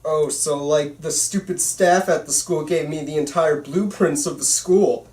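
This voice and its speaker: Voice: medium pitch, measured pace, darkish tone, close to an everyday voice. A performer playing a bitter, intense teenage boy filmmaker in an amateur script read, recorded at a distance in a roomy space. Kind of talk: amateur screenplay table read.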